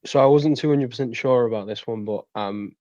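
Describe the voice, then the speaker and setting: A man's voice: medium pitch, a little fast, dark tone, no room sound. A man, chatting casually as a fan guest on a podcast. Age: 20s. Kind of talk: casual interview chat. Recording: dull, dry lo-fi microphone.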